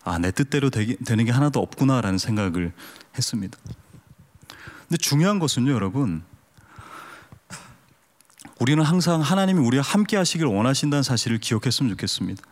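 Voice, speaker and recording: A man's voice: mid-range voice, expressive, fairly quick, pauses often. A man pastor preaching a sermon with humor, questioning the congregation and asking them to raise their hands. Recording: long hall reverb.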